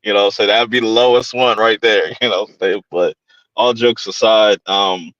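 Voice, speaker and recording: A man hosts a horror podcast in easy, slangy talk, often repeating a phrase for effect. His voice sits on the low side. The recording sounds dull and dry, like a home setup with a muffled mic. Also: steady tone, normal speed, a bit bright, no room sound. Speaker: podcast host. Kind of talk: casual chat. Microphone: home streaming setup.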